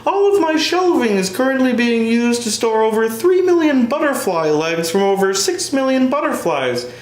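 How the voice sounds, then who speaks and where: A man's voice: very high voice, very animated, moderate pace, pitched above the performer's own voice. A man playing both parts in a one-man stage comedy, here voicing an eccentric, pedantic chemistry teacher lecturing theatrically. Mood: fussy, gleeful. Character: eccentric pedantic male chemistry teacher, nerdy mad-scientist type. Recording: roomy, echoing stage sound.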